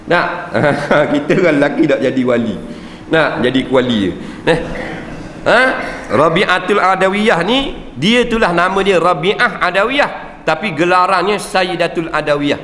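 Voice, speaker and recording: A religious teacher with a Malaysian Malay accent gives a lively, jokey lecture in a voice on the high side, often checking in with listeners using "ha," "nah," and "nampak?". The recording has slight background noise and faint ambience in an echoey hall with long reverb.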